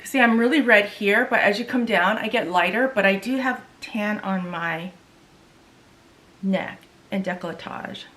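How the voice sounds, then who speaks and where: Middle-aged woman, Korean first language, casual beauty vlog chat, loses her words and restarts, mid-pitched voice. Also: measured pace, a bit bright, low-quality recording. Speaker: beauty vlogger. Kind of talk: casual makeup tutorial chat.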